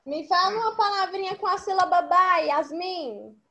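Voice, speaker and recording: A woman teacher on a video call, slowly and patiently guiding young children as she traces letters during a dictation. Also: very high-pitched, bright, forceful tone, dull audio. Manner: slow, patient, demonstrative letter tracing. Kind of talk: online class dictation.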